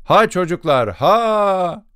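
A man reading an audiobook, voicing a hearty middle-aged foreman who shouts orders at his workers in loud rallying calls. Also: mid-range voice, big pitch swings, normal speed, no echo, clean studio sound, lightly acted. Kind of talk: audiobook character voice.

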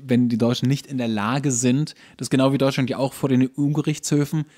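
A man's voice: medium pitch, steady tone, fairly quick, warm tone. A man co-hosting a podcast in casual comedic chat, ranting with sarcasm and exasperation. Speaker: podcast host.

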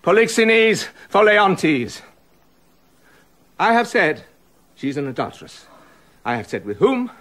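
A man's voice: high-pitched, big pitch swings, takes it slowly, long pauses, exaggerated voice. A jealous raging king. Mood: furious. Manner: bitter, accusing, swinging from loud to hushed. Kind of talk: classic stage verse drama, radio play.

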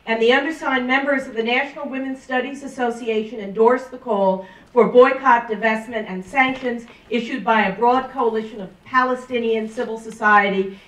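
A middle-aged woman professor giving a loud, emphatic speech at a campus event, holding a handheld mic. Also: on the high side, steady tone, normal speed. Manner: loud, emphatic, listing with rising stress. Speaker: professor reading a statement. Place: large lecture room. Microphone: handheld mic, far camera. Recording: roomy hall from far off.

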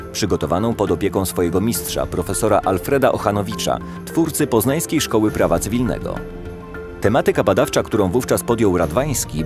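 Casting note: deep-ish male voice-over, formal, steady read, clear music bed. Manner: even, formal reading. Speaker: documentary narrator. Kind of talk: scripted narration.

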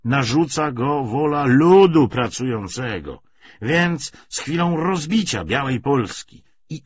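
Man playing a pompous, husky communist commissar. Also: medium pitch, voice pushed up. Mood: self-righteous. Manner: declamatory, rhetorical, emphatic. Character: pompous Polish communist commissar giving a lecture. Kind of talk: political speech within an audiobook novel. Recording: slightly dull, lo-fi audiobook recording.

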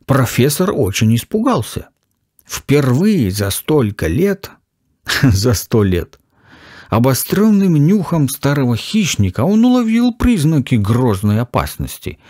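A man's voice: mid-range voice, a little mellow, no echo, clean studio sound. A man narrating a crime story expressively and dramatically, with ad-libbed asides. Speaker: audiobook narrator.

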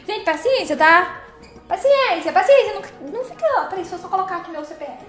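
Woman streamer, very high bright voice, playful chat with viewers, echoey room. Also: animated, fast talker. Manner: chatty, playful, teasing viewers. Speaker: live streamer reading chat. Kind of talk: casual live-stream chat. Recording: echoey room, faint music behind.

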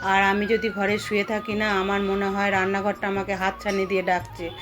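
A woman's voice: medium pitch, monotone, a little fast. A middle-aged woman with a West Bengal Bengali accent narrates a homely vlog in a chatty way, speaking straight to her viewers. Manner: chatty, addresses viewers directly as friends. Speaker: homemaker and vlogger. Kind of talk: casual vlog voice-over narrating cooking and household routine. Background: music.

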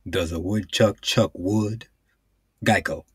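A man's voice: sits low, takes it slowly, husky, no echo, studio quality. A man reading commercial voice-over scripts in a polished announcer delivery. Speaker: voice-over artist.

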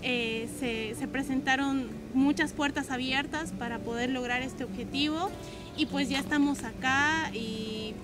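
A woman's voice: sits high, unhurried. A twenty-year-old woman from Bolivia, giving a hesitant testimony full of restarts, sitting outdoors on a park lawn and filmed by a distant camera. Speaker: camp participant. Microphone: far camera. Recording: loud music underneath.

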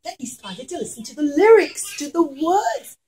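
Brief: female teacher-storyteller, thirties, high voice, simple repeated phrasing, questions the young listeners. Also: sing-song, normal speed, a little mellow. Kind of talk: animated storytelling for young children. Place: small classroom, indoors. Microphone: camera a short distance away.

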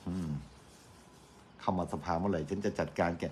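A man's voice: low voice, steady tone, normal speed, darkish tone, slight background noise. A middle-aged man from Thailand giving casual, argumentative morning news commentary on radio, chatty and quoting his critics mockingly.

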